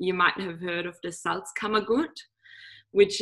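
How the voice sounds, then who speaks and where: With a German accent, a woman talks at medium pitch with fairly even intonation. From Austria. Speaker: tourism marketing manager. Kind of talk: presentation. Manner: hesitant, many fillers.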